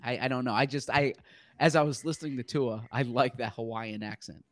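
A man co-hosting a sports talk show, with a medium-pitched voice and a dry, close sound. He talks haltingly, repeating little words before his thoughts come out. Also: no room sound. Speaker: sports podcast co-host.

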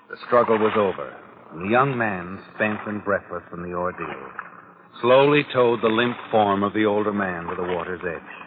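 An actor playing an ominous, all-knowing narrator who taunts in 1940s radio drama style. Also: male voice, fairly low pitch, narrow, tinny audio, noisy background, lightly acted. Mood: grim, intense. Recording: band-limited old radio recording, music behind.

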